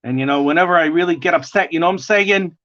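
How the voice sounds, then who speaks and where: A man with a New York accent and a gravelly voice talks casually as he works on a drawing. His voice sits slightly high with a bright, forceful edge, and he rambles and chuckles through the chat. The stream audio is dull and lo-fi. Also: fast. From United States. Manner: chatty, rambling, chuckling often. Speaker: artist livestreaming a drawing session.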